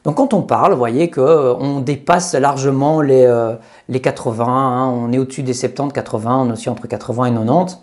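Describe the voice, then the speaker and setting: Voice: mid-range voice, steady tone, a little fast, few pauses, darkish tone. A YouTuber reviewing gear in a chatty, step-by-step way with many hesitations, speaking into a lapel mic. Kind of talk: casual tech review. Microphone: lapel microphone.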